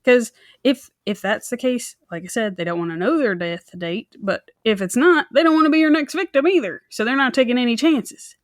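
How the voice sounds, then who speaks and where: A woman's voice: a little high, expressive, brisk, hardly any pauses, dry recording, clean studio sound. A woman co-hosting a true crime podcast, telling a story in a casual, colloquial way with joking asides. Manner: informal, colloquial, joking asides and mimicked quotes.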